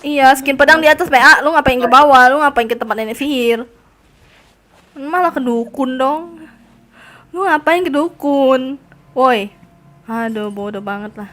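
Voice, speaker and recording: A woman's voice: high voice, a little slow, pauses often, a bit bright. A young woman streaming a game, laughing often and sighing in exasperation at her teammate. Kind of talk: casual live-stream chat.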